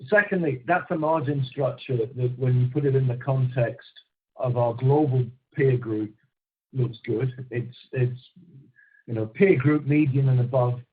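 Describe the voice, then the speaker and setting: A man in a senior executive role answering off the cuff on a conference call, measured and reflective, over a narrow phone line. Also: medium pitch, husky. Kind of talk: unscripted answer to an analyst.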